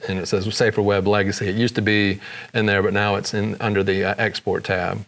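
A man with a fairly low voice narrates a screen-recorded editing tutorial. He moves step by step in an easygoing way, dropping in fillers as he goes. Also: a little fast. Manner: relaxed step-by-step explaining with fillers. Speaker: photography tutorial host.

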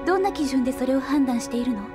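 Young woman scientist, high-pitched, earnest, musing, hesitant pauses, audio drama, clear background music. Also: lively intonation. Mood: curious, reflective. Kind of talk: Japanese audio drama acting.

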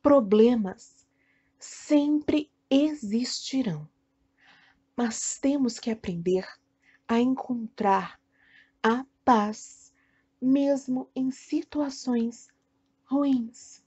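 A Brazilian woman leading a guided meditation in a soothing, deliberate way, speaking in short phrases with long pauses. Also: on the high side, dark tone, husky, lo-fi sound. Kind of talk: guided meditation, self-hypnosis narration.

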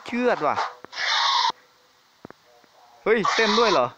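An excitable man talks through a ghost-shooting game, joking and exclaiming between shots. His voice sits somewhat high, and loud game gunfire and effects play clearly under his commentary. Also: takes it slowly, muffled recording, very noisy. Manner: excitable, jokey, exclaims often. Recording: game sounds and gunfire behind.

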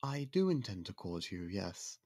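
An actor playing a young prince in an ASMR roleplay, speaking in polite, formal, soft-spoken courtship talk close to the mic. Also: male voice, low voice, very animated, a little slow, no echo, heavily acted. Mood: courteous.

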